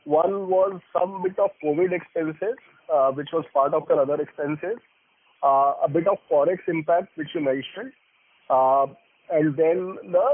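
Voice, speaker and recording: A man with an Indian accent asking questions as an analyst on an earnings call, polite, wordy and hesitant. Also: on the high side. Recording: garbled, tinny phone line.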